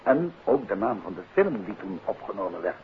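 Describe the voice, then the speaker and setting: Courteous inquisitive detective, Netherlands Dutch accent, low-pitched, 1950s radio play, thin hissy recording. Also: male voice, sing-song, moderate pace, narrow, tinny audio. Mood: calm, casual. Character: composed, inquisitive gentleman detective, married, courteous. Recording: band-limited, noisy 1950s radio recording.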